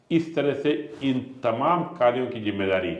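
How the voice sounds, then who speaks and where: A man with a medium-pitched voice and ordinary pitch variation speaks amid audible room echo. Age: 60s. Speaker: naturopathy doctor. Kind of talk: interview.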